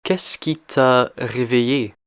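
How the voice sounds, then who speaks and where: A man's voice: medium pitch, takes it slowly, smooth, no room sound, studio quality. A man teaching French, reading a story aloud and quizzing the listener with simple, repeated questions. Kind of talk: slow question-and-answer reading lesson.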